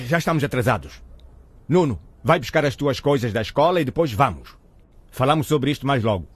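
A man playing a stern, impatient middle-aged father with a husky voice in a radio drama. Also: mid-range voice, expressive, moderate pace, dry recording. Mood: resigned, firm.

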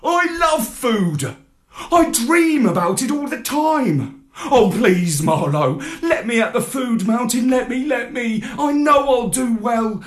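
A man voicing an eager, excitable male puppy who pleads and begs in a storybook reading. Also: sits high, slow pace, voice pushed up, heavily acted. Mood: pleading.

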